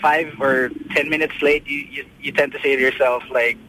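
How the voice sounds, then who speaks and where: A man's voice: medium pitch, fairly even intonation, moderate pace, sharp tone, a little hiss or hum, poor audio. A man calling in to a radio show who speaks hesitantly, full of restarts. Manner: hesitant, many fillers and restarts. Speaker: caller. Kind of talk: phone-in chat.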